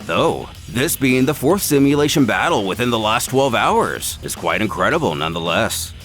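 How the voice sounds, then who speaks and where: Over background music, a man with a medium-pitched voice narrates a scripted story like a host spinning an epic tale. His delivery is very animated, dramatic and emphatic, at a moderate pace.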